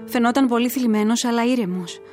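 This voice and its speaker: A woman's voice: a little high, a little mellow, soft background music, natural voice. An actress playing a grieving young woman who tells her story earnestly and emotionally, as in a letter read aloud in a radio drama.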